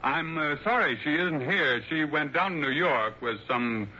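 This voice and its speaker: A man's voice: on the high side, expressive, measured pace, sharp tone, slight background noise, exaggerated voice. An actor playing a wealthy male mystery author in his late fifties, gushing and hesitant with fillers, in a 1960s radio drama. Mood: brooding. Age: 50s. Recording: dull lo-fi old radio broadcast.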